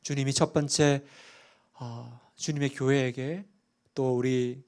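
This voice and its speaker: A man's voice: mid-range voice, steady tone, slow, darkish tone. A middle-aged man, a pastor, preaching a sermon in a church and often putting questions to the congregation. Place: church sanctuary.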